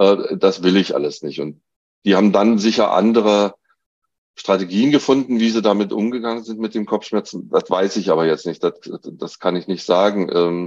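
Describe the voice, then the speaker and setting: A man with a fairly low voice talks at a moderate pace with ordinary pitch variation and an unremarkable speaking voice. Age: 60s. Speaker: retired deacon. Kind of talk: casual interview.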